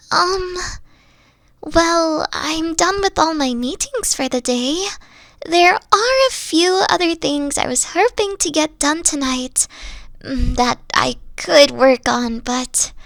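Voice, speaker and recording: A gentle, weary fox-spirit girlfriend from an audio roleplay, voiced by a young woman. Her voice sits high and her speech moves slowly, soft and halting as she trails off. It sounds dry and close, with no room around it. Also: vocal fry, no room sound, exaggerated voice. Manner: soft-spoken, hesitant, trailing off.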